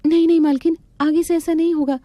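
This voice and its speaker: A woman's voice: very high-pitched, fairly even intonation, fast talker, warm tone, dry recording, studio quality, pitched above the performer's own voice. A woman voicing a timid young maid in a cartoon, meek and pleading.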